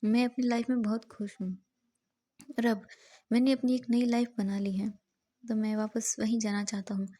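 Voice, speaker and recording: A gentle young man speaks softly, apologetic and pleading, as a woman reads him out. The voice sits a little high and sounds mellow, with nothing much changed from a plain storytelling tone. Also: little pitch movement, normal speed, long pauses, close to an everyday voice.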